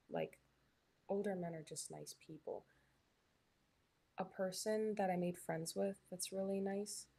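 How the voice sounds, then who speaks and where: A woman's voice: on the low side, gravelly, a little mellow, husky. A young woman from Canada, chatting casually as a live stream host while reading her chat, with lots of "like" and "um". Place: hotel room.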